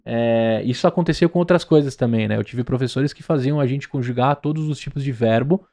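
A man with a São Paulo accent hosts a casual interview in a mid-range voice. He talks freely and chattily, tagging almost every sentence with a quick question to his guest. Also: mid-range voice, warm tone. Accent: São Paulo Brazilian Portuguese. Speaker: podcast host, interviewer.

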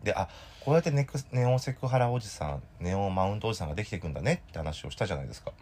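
A man in his thirties with a hoarse throat, co-hosting a casual podcast chat in a playful, jokey way. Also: lowish voice, expressive, very fast, darkish tone. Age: 30s. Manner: playful, jokey, drifts into bits. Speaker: podcast co-host.

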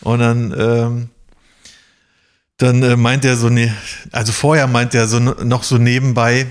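A man's voice: mid-range voice, flat delivery, unhurried, clean tone. A man casually telling a long anecdote on a podcast, full of fillers, now and then putting on other people's voices. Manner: rambling storyteller, imitates others with raised voice. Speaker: podcast co-host.

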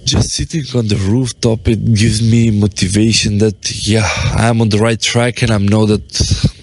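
A man's voice: lowish voice, level tone, measured pace, a little hiss or hum. A man, talking casually on his rooftop about family and business, rambling with many restarts. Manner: rambling, with restarts and loose English. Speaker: podcast host and business owner. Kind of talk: casual talk to camera. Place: on his apartment rooftop, outdoors.

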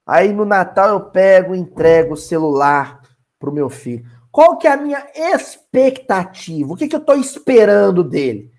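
A man's voice: sits high, moderate pace. A man leading a Spiritist Bible study lesson, colloquial and asking his listeners questions. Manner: animated, colloquial, asks the audience questions.

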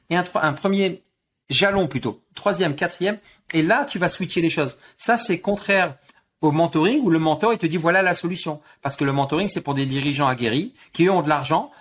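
Man, guest coach, higher-pitched voice, animated explaining, repeats words, analogies. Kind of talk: explanatory interview talk.

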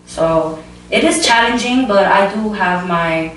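A woman's voice: medium pitch, a little slow, fairly bright tone. A twenty-one-year-old Dominican woman, a plus-size model, answering earnestly and casually with frequent fillers. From Dominican Republic. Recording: echoey room from a distance, faint hum.

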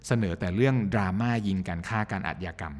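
A man's voice: low voice, lively intonation, fast talker, a little mellow. A man co-hosting a casual podcast who explains at length in a coaching tone and acts out exasperated quotes. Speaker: podcast co-host. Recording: roomy reverb.

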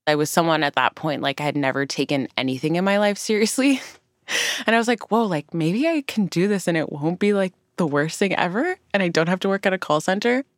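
A woman's voice: lowish voice, lively intonation, fairly quick, no echo, clean studio sound. A Canadian woman in her thirties, a podcast guest telling her story casually, laughing at herself. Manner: self-deprecating, laughing.

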